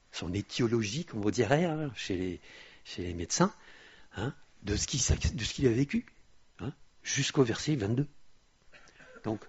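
A man's voice: on the low side, husky, no echo. A male preacher giving a sermon, reading scripture aloud with swelling emphasis and breaking off into hesitant asides. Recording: slightly dull, dry lo-fi recording.

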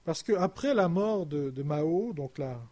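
A man preaching a sermon in French, telling a story with many pauses and restarts, his voice sinking quiet at the ends of phrases. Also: expressive. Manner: halting, with many restarts and fillers, voice dropping low and soft at phrase ends.

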